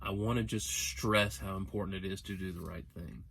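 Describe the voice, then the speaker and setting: A man's voice: deep voice, fairly even intonation, normal speed, vocal fry, a bit bright, slight background noise. A man talking casually as a truck-driving vlogger, rambling and correcting himself as he gives earnest advice. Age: young adult. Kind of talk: casual vlog monologue.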